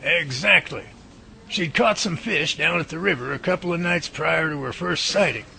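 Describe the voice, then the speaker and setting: A man's voice: fairly high pitch, normal speed, vocal fry, sharp tone, slight background noise, heavily acted. A man playing a folksy, confident research professor in a radio drama, explaining things and taking charge. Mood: wry, explanatory. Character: folksy, confident professor leading Bigfoot research, good-humored.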